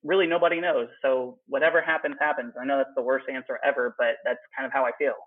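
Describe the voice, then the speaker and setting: A young man chatting casually on a podcast, quick and self-deprecating, heavy on "like", recorded in his garage. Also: mid-range voice, steady tone. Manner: fast, filler-heavy and self-deprecating, full of "like". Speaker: guest turned interviewer. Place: home garage. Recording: tinny phone-like line.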